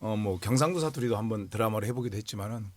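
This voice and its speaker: A man in his forties, an actor, talking earnestly about a role in an interview, pausing often to find his words. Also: on the low side, darkish tone, no echo. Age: 40s. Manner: earnest, searching for words with many fillers. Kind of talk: film promotion interview.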